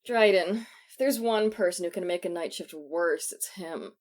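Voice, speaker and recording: A woman's voice: lowish voice, moderate pace, darkish tone, close to an everyday voice. Woman playing a subdued, wary office worker. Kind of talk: audio drama acting.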